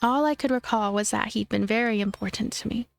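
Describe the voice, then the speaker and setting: A woman let's player reading a visual novel aloud in expressive narration, with game music behind her. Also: fairly high pitch, brisk, creaky.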